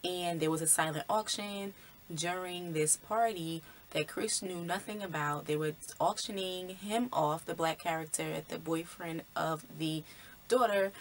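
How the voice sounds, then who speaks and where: A woman vlogger talks through a film's symbolism in a loose, conversational way, full of ums and likes. Her voice is low-pitched. A faint noise runs behind her. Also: a little slow. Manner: conversational, many fillers like "um" and "like". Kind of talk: casual film commentary.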